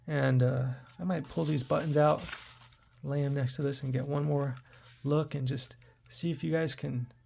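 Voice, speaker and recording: A raspy-voiced man in his forties, hoarse from throat trouble, rambling casually to his viewers while he plays retro games. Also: a little high, a little mellow. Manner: rambling, chatty, talks to viewers while playing. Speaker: tech reviewer playing retro games. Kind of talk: casual gameplay commentary.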